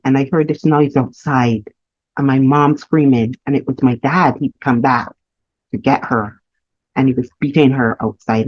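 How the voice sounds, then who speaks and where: A woman from Barbados, telling her life story as a guest, earnest and reflective with halting restarts. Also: rumbling low, no echo. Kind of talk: candid personal storytelling. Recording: slightly muffled lo-fi audio.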